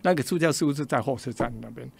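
A man's voice: medium pitch, very fast, vocal fry, slightly rough. An older man with a Taiwanese Mandarin accent, a radio interview guest telling a personal story and acting out the quoted dialogue in changing voices. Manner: animated, acts out quoted dialogue with shifting voices.

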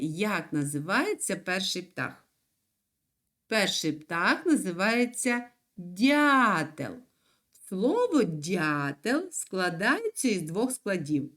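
Повільна вчителька з мелодійним голосом. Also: female voice, medium pitch, huge pitch swings, a bit bright. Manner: slow, sing-song, stretches syllables. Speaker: primary school teacher. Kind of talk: online lesson for young children.

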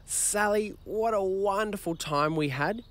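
A woman voicing a young, excitable possum in a children's TV show, full of gasps and wide-eyed delight. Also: medium pitch, unhurried, background noise, close to an everyday voice. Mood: happy. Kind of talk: scripted children's TV acting.

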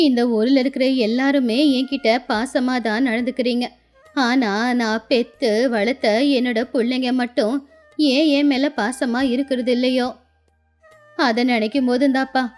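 A woman voicing an affectionate, sorrowful elderly village grandmother, speaking slowly and plaintively in a children's moral story. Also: high voice, darkish tone. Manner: plaintive, slow, tender.

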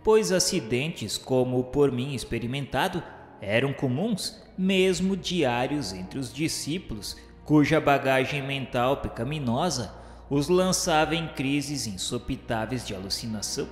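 A man's voice: medium pitch, expressive, unhurried, close to an everyday voice. A Brazilian man playing the remorseful spirit of a suicide, narrating his suffering in solemn, formal radio-novel declamation. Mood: grave, recollecting. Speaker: narrator character in a radio drama. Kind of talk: dramatic first-person narration of a religious radio novel. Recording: echoey long reverb with music behind. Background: music.

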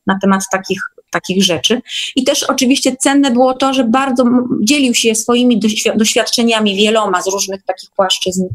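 Woman, fairly high voice, chatty, casual storytelling, online meeting guest, seeks confirmation. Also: moderate pace.

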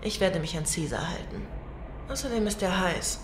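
A woman's voice: fairly low pitch, normal speed, lightly acted. An actress playing a brazen, ambitious, scheming woman in a German audio drama, cynical and unashamed. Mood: cynical, defiant. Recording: echoey room, clear background noise.

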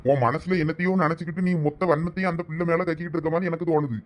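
A man's voice: fairly high pitch, fairly even intonation, very fast, lightly acted. A man with a Thoothukudi Tamil accent playing a firm middle-aged husband who lectures his wife. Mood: stern. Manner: stern, lecturing. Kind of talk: village comedy skit acting.

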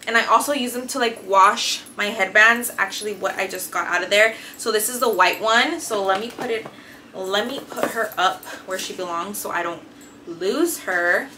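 A woman's voice: medium pitch, moderate pace, background noise. A young woman reviewing gym clothes to camera in a small bedroom, chatty and enthusiastic with lots of filler words. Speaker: fitness and beauty vlogger. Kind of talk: casual haul review to camera. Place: small decorated bedroom, indoors.

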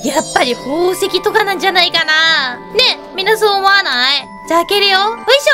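A woman giving excited let's-play commentary, exclaiming and chatting to her pets and viewers. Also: extremely high pitch, a little fast. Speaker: gaming YouTuber. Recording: loud game music behind the voice.

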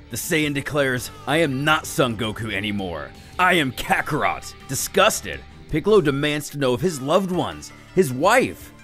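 A man narrates a dramatic story recap in a fairly high voice. His delivery is emphatic and theatrical, with very lively swings in pitch, over background music. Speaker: narrator of a fan manga recap.

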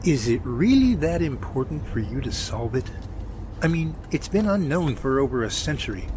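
Radio drama brother played by a man: earnest, protective, folksy, lively pitch swings, some ambient noise behind. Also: normal speed, lightly acted. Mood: concerned.

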